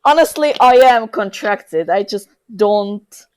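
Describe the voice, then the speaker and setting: A woman's voice: medium pitch, lively intonation, takes it slowly, darkish tone, clear, resonant tone. A woman in a casual chat as a podcast co-host, speaking in a hesitant, self-effacing way.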